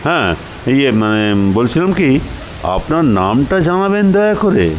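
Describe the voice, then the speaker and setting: Man, animated storytelling, acted-out dialogue, swooping intonation, clear background noise, chirping night insects. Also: mid-range voice, a little slow. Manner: expressive, acts out the dialogue. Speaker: story narrator and reader. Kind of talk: dramatised first-person storytelling. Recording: noisy track with cricket and insect sounds.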